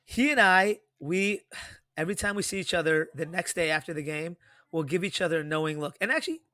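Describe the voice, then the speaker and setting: A middle-aged man co-hosting a podcast, telling stories in a casual, animated way and acting out the dialogue he quotes. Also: on the high side, quick pace, dry recording. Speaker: podcast co-host.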